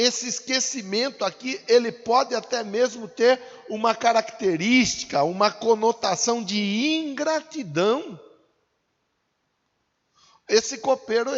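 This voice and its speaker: A Brazilian pastor in his forties, speaking with a Brazilian Portuguese accent, preaches a sermon conversationally and poses rhetorical questions to his listeners. His voice is extremely high and fairly bright. The recording sounds dull and echoey, as if made in a hall.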